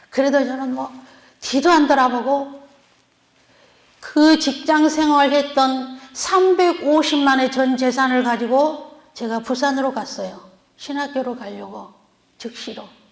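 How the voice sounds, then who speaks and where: A woman speaks very slowly in a high voice with fairly even intonation and big swings in loudness, and the room echo is audible. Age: 60s. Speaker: preacher. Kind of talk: sermon testimony. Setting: church.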